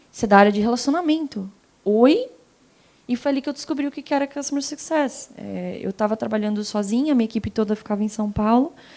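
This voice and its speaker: On a very clean recording with a silent background, a woman talks very fast at a fairly high pitch, with a dark, mellow tone and ordinary pitch variation. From Minas Gerais, Belo Horizonte. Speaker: customer success professional, lecture speaker. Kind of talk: audience Q&A answer.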